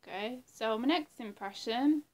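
A woman's voice: a little high, a little slow. Chatty young woman vlogging on a webcam. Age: young adult. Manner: chatty, swears, laughs often. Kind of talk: casual vlog chat. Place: small indoor room.

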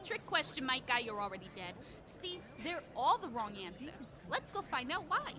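A woman's voice: high voice, big pitch swings, normal speed, crowd noise. A woman playing a bossy, streetwise host of a comedic radio survival guide, sassy, theatrical and tough-talking. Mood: cocky. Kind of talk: comedic audio drama acting.

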